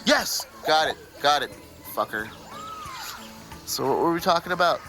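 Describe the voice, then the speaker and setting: An actor in his twenties playing a lazy, excitable gamer bro with a slangy slacker delivery in a comedy audio drama. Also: a little high, measured pace, soft background music, heavily acted. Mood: excited. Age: 20s.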